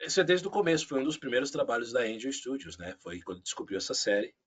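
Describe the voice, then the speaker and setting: A man with a Brazilian Portuguese accent, a voice actor chatting casually as an interview guest, animated and full of asides. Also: mid-range voice, quick pace. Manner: animated, frequent fillers and asides.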